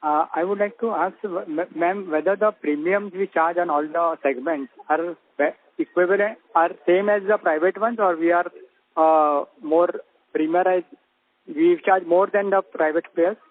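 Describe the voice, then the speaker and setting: A man's voice: sits high, normal speed. A man with an Indian accent calling in as an investor to ask questions on an earnings call. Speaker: investor caller. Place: conference phone call. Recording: tinny phone line.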